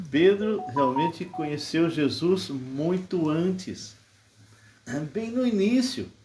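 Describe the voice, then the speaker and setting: Over noticeable background noise, a man with a high voice and lively intonation speaks at a very slow pace, with long, frequent pauses. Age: 70s. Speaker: pastor and missionary. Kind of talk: sermon. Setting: livestream.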